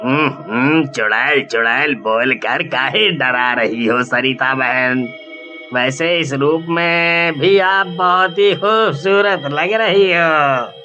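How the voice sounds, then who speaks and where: A joking village man from a cartoon, teasing in a very slow drawl, as a woman narrator puts him on. His voice is bright and sits lower than the narrator's own. The recording sounds dull and lo-fi. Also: soft background music, heavily acted.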